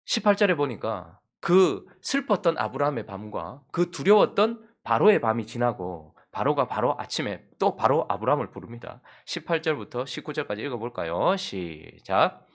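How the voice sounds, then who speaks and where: Animated male pastor preaching a dramatic sermon. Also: moderate pace. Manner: dramatic, asks many rhetorical questions and acts out quoted speech; alternates loud emphatic bursts with hushed low passages. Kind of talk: early-morning sermon.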